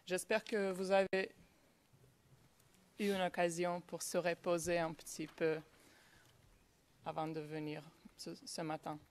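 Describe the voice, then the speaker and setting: A woman's voice: on the low side, flat delivery, a little slow, pauses often. A woman prosecution lawyer addressing a witness politely in court, speaking French, which is not her first language, and hesitating often. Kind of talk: courtroom questioning.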